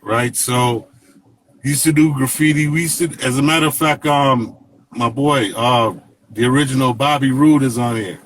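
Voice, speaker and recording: A man in his fifties from Jamaica, telling stories as an interview guest in a relaxed, rambling way, full of fillers. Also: mid-range voice, normal speed, slight background noise, low-quality recording. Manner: relaxed, rambling, many fillers and "you know what I mean". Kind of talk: casual interview storytelling.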